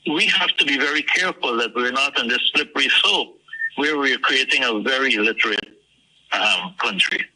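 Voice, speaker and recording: Emphatic man with a husky voice. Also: mid-range voice, normal speed, sharp tone, rough recording. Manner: emphatic, insistent. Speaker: former lecturer interviewed. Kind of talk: interview soundbite.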